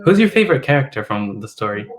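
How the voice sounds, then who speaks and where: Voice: mid-range voice, big pitch swings, quick pace. A host chatting casually and conversationally with a guest. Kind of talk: casual chat.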